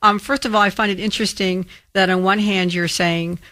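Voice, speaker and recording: A woman's voice: medium pitch, fairly even intonation, brisk, fairly bright tone, no echo. A woman filling in as a talk radio host, firmly rebutting a caller with frequent ums. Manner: firm and argumentative, with frequent ums.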